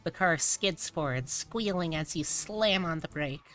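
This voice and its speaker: A woman's voice: low voice, animated, a little slow, a bit bright, soft background music. A woman reading scripted visual novel narration aloud as a dramatic storyteller. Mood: tense.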